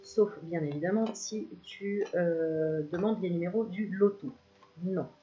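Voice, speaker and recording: A woman talks straight to the viewer while giving a relaxed spiritual card reading, chatty and quick to laugh. She sounds self-filmed on a camera at home. The sound is a bit dull and lo-fi, with a faint hiss behind it. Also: fairly low pitch. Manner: chatty, laughs often, addresses viewer familiarly. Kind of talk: casual card-reading video.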